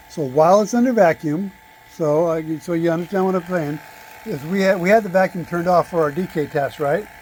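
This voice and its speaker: Noticeable background noise runs under the recording. A man talks at a high pitch. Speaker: HVAC technician. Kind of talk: tutorial. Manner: fast; casual, filler-heavy.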